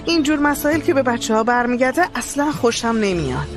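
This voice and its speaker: A woman playing a firm yet uneasy woman in charge, with a fairly high voice. She sounds troubled as music plays softly beneath her. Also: lively intonation, lightly acted. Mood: worried. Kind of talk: Persian drama dubbing. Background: music score.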